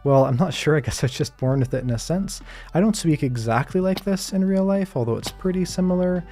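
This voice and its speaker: This male Minecraft streamer talks fairly quickly in a voice on the high side, yet stays calm and soft-spoken. He comments on his live gameplay and fields chat questions, hedging often and using many fillers.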